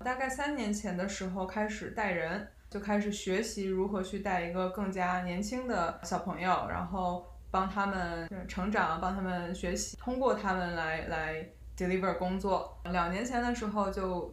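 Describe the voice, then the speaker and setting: At medium pitch, a woman speaks at a fairly slow pace with fairly even intonation. Audible room echo and noticeable background noise come through. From China. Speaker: podcast co-host, senior corporate manager. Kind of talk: casual chat.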